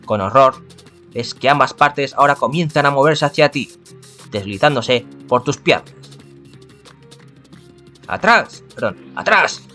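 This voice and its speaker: A man's voice: mid-range voice, lively intonation, measured pace, long pauses, bright, forceful tone, soft background music. A man with a Spanish accent from Spain, reading a visual novel aloud and stumbling, often correcting himself and adding asides. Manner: stumbling, frequent self-corrections.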